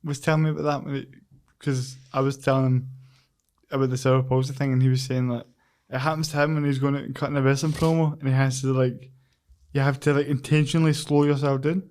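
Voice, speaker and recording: A man's voice: mid-range voice, flat delivery, fast, darkish tone. A Scottish man hosting a casual podcast interview, bantering in a self-deprecating way. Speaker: podcast host.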